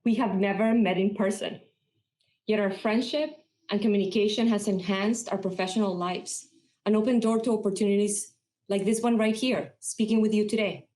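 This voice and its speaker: A woman from Peru giving a rehearsed conference talk in a measured, earnest storytelling manner. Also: medium pitch, steady tone, warm tone. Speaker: conference speaker. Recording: roomy echo.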